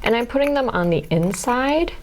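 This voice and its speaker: A woman's voice: a little high, expressive, normal speed, a little hiss or hum. A woman with a Midwestern accent, teaching a jewelry soldering demo step by step, friendly and explanatory, sometimes dropping to a near-whisper as she concentrates. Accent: Midwestern American. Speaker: jewelry instructor. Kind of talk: step-by-step craft demonstration.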